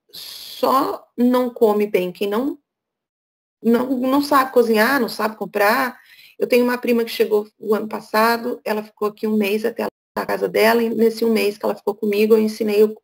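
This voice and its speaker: A woman's voice: medium pitch, gravelly. A middle-aged woman from Brazil, speaking as a guest speaker over a video call, frank and chatty. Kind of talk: casual talk on a video call.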